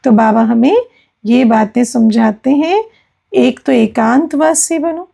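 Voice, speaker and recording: A woman spiritual teacher giving a gentle explanatory discourse, often checking in with her listeners. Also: fairly high pitch, slow, vocal fry, slightly rough.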